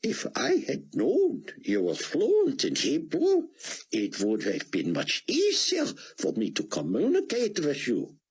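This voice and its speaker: Guy doing a shaky old rabbi voice, way up high, breathy and hushed, kind of off-mic. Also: huge pitch swings, slow pace, heavily acted. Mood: awed. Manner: hushed, trembling, rising high in awe. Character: elderly male rabbi scholar, awed and fervent.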